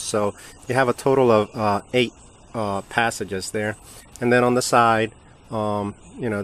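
A man casually comparing two tools on a workbench, relaxed and halting, with many ums and uhs. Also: mid-range voice, a little hiss or hum. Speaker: hobby channel host reviewing tools. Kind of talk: casual hands-on product comparison.

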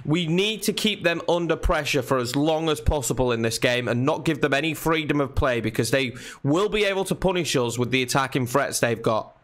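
A young man with a fairly high voice, a touch nasal and croaky from a cold. He commentates his own football video game in a chatty, easygoing way from a desk at home, lifting his voice when a chance comes. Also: brisk, hardly any pauses, a bit bright. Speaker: gaming channel host. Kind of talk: casual gameplay commentary.

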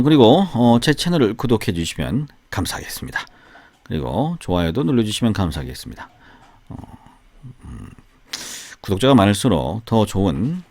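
A man teaches English sentence patterns, his pitch rising and falling animatedly. He drills each phrase slowly so it can be repeated. The sound is dry and close, with no room echo. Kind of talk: online English pattern lesson.

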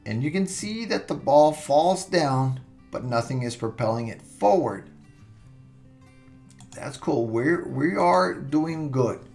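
Seated at his computer with soft music playing underneath, a man talks through a software tutorial one step at a time. His voice is fairly high, slow and gravelly, and he sounds relaxed, thinking aloud with fillers and restarts.

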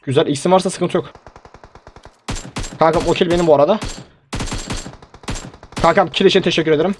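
A young man playing a mobile shooter, giving joking, excitable commentary to viewers and teammates. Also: on the high side, a little fast, slight background noise. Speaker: gaming YouTuber. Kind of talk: live mobile game commentary. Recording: game sounds and music behind.

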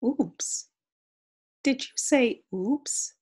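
A woman reading aloud as an outraged teenage girl in a storybook, ranting at her brother in a raised, higher, husky voice. Every complaint lands with emphasis. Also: drawn-out words, a little mellow, exaggerated voice. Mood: exasperated.

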